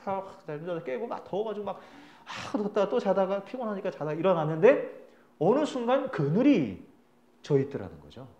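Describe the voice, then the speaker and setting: Pastor man telling a bible story in his sermon, chatty and animated, voice jumps all over, roomy echo. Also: on the high side.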